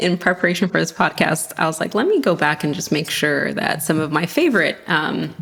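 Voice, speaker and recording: There is noticeable background noise behind this woman. She speaks at a fairly low pitch with lively intonation. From East Africa (Ethiopia, Uganda, Kenya). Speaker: responsible AI advisor. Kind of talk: podcast interview.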